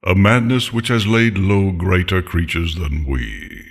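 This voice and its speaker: A man voicing a male archer hero who speaks deathly quiet. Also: low-pitched, animated, unhurried, creaky, husky, exaggerated voice.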